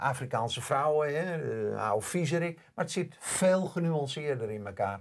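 At a fairly slow pace, a man speaks with very wide pitch swings over a quiet background. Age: 60s. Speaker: documentary filmmaker. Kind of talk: interview. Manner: halting, many filler sounds. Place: studio.

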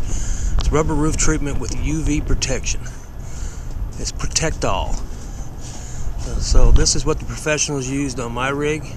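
A man speaks at a moderate pace in a dry sound with no echo. Noticeable background noise is present. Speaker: RV owner vlogger. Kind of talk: casual vlog chat. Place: street. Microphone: phone near.

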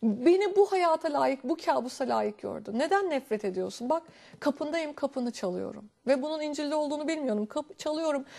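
A woman with a high pitch and lively intonation at a moderate pace against a quiet background. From Turkey. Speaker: guest. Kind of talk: testimony. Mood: earnest, emotional recollection. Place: studio.

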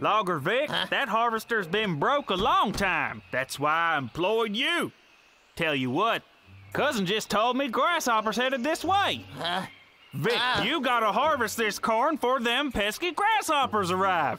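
In a put-on character voice, a man drawls at a moderate pace, high-pitched and raised and projected, with very wide pitch swings but very even loudness. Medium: fan dub. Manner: folksy, drawling.

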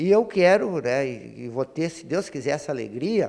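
A man with a normal speaking voice talks at a fairly high pitch. His pace is moderate, and the background is quiet. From Rio Grande do Sul, Brazil (Santiago); Rio Grande do Sul, Brazil. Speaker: health plan director and politician; politician. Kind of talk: interview. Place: office. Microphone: handheld.

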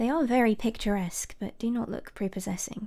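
Soft-spoken and dark, mellow in tone, the voice carries a British accent, keeping fairly even intonation at a moderate pace over a quiet background. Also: woman. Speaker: audiobook reader and streamer. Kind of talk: audiobook reading. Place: home room. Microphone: studio mic.

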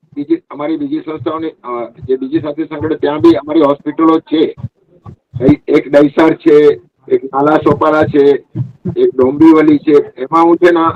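The man's pitch is fairly high, and his intonation is flat and monotone. The sound is dry and close, with no echo. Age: 70s. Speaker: charity trustee. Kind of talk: interview.

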